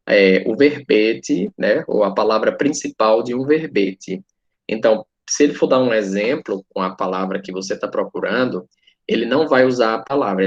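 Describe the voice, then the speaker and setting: Male teacher, low voice, patient explainer with frequent check-ins, dull lo-fi recording. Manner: frequent tag questions, pointing at a screen. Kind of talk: explaining a lesson. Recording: dull lo-fi sound.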